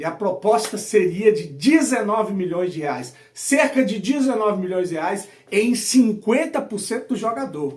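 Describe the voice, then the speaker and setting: The voice moves at a fairly slow pace with lively intonation, with audible room echo. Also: man, high pitch for a man. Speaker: football YouTuber. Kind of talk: casual football commentary.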